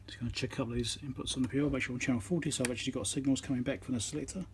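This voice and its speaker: An electronics repairer races through a casual, matter-of-fact demonstration, narrating his thinking as he works. His voice is medium-pitched and steady. The phone recording, shot on a tripod, has slight background noise.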